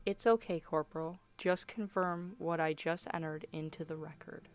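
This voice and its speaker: A woman's voice: fairly low pitch, steady tone, normal speed, lightly acted. A woman playing a firm, clinical doctor conducting a formal interrogation in a radio play. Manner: formal, controlled, official.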